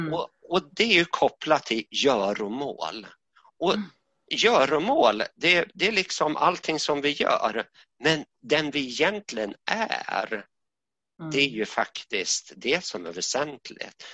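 A man's fairly high-pitched voice, bright and sharp in tone, with vocal fry, very wide pitch swings and a very slow pace, in a dry, close sound with no echo. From Sweden, Västerås. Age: 60s. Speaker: podcast co-host. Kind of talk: casual conversation about spirituality. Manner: hesitant, many fillers.

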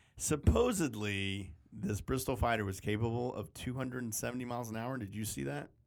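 A man with an unremarkable speaking voice at a medium pitch talks at a fairly quick pace with lively intonation and hardly any pauses. The recording is very clean, with a silent background. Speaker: podcast host. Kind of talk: casual chat.

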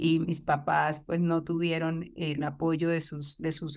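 The recording is very clean, with a silent background. A woman speaks at a fairly slow pace in a very deep, low pitch. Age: 40s. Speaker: model and activist. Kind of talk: interview conversation.

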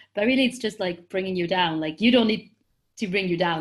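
A woman with a French accent speaks at medium pitch. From France, Paris. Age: 20s. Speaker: musical theatre performer. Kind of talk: casual chat.

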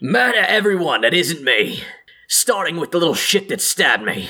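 An angry, put-on character voice from a man at high pitch. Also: moderate pace. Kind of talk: commanding. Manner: gruff, angry.

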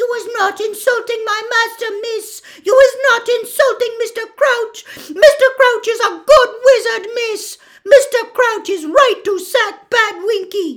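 An extremely high, put-on character voice at a fairly slow pace. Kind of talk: servile, broken grammar. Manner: screeching, distraught, defensive.

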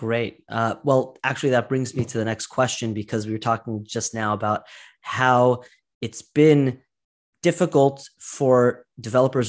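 Against a quiet background, a man speaks at a medium pitch in a normal speaking voice. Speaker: podcast host. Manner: friendly, conversational.

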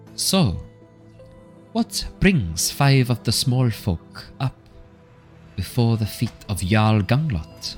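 Putting on a character voice, a man speaks loud and booming at a medium pitch and a very slow pace, with long, frequent pauses and clear music in the background. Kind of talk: formal, ruler speaking to petitioners. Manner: commanding, imposing.

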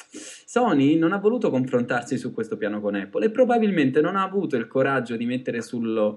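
The pace is fairly quick, with hardly any pauses. Pitch swings very widely. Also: man, fairly high pitch for a man. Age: young. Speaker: voice actor. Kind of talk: casual chat.

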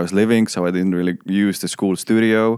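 A man with an Estonian accent, very deep and low in pitch, talking at a very fast pace in a monotone, flat intonation, on a very clean recording with a silent background and a dry, close sound with no echo. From Estonia (Tallinn). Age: 30s. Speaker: painter. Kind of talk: interview. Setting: artist's studio. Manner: halting, with many fillers.

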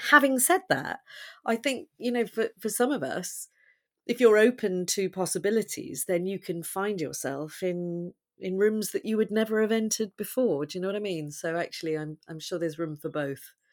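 A woman talks at a medium speed with lively intonation in an unremarkable speaking voice, on a very clean recording with a silent background. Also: medium pitch for a woman. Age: 50s. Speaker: voice and presence coach. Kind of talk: interview.

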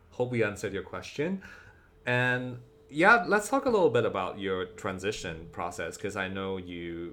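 A man with a bright, sharp tone. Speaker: podcast host and design educator. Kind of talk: interview. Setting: webinar, online call.

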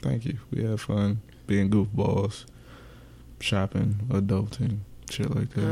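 Speaking at a very slow pace with long, frequent pauses, a man uses a fairly low pitch, ordinary pitch variation, vocal fry and a dark, mellow tone. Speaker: podcast co-host. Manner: slow talker.

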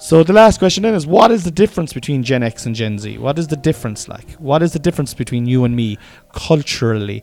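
At a very fast pace, a man with an Irish accent talks at a fairly high pitch with very wide pitch swings. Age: 40s. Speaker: podcast host. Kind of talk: casual chat. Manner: chatty, jokey.

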